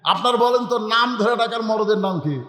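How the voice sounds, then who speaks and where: A man, preaching a waz sermon as a dramatic storyteller who swings between loud and soft. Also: sits high, lively intonation, normal speed. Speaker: Islamic preacher. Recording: echoey hall with long reverb.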